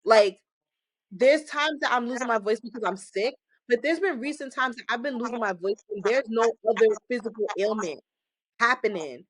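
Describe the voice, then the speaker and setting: A woman speaking with lively, emphatic conviction as she shares her faith, slightly high-voiced and prone to laughter. The recording is dry and close. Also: normal speed, no echo, poor audio. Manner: animated, preachy, laughing, emphatic exhortations. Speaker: podcast guest. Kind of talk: casual testimony-style faith talk.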